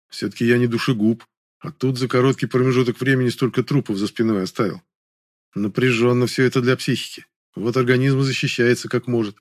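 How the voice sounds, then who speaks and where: A man narrating a first-person audiobook in a calm, even reading manner. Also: mid-range voice, no room sound, studio quality.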